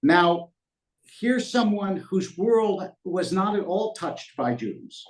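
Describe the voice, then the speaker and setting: A middle-aged man, a rabbi, answering interview questions in a measured, reflective way and telling anecdotes. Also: high voice, expressive. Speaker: rabbi, guest. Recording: roomy echo.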